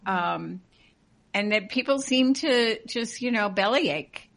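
A woman's voice: mid-range voice, animated, slow pace, vocal fry, a bit bright. Outspoken woman co-host, plain mid voice, blunt. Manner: blunt, opinionated. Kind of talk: casual talk show chat.

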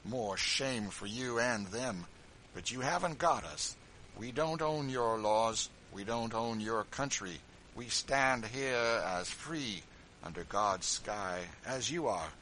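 A man reading an audiobook, voicing a defiant, resolute escaped man who speaks calmly, clearly and forcefully. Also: low voice, slight background noise, poor audio. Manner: calm, clear, measured and forceful.

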